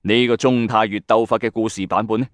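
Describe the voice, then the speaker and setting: A man's voice: fairly low pitch, little pitch movement, a little fast, dry recording. A man with a Hong Kong Cantonese accent hosting and narrating a dramatic, suspenseful late-night ghost story in a colloquial way, with exclamatory asides. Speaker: host of a ghost story audio channel. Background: background music.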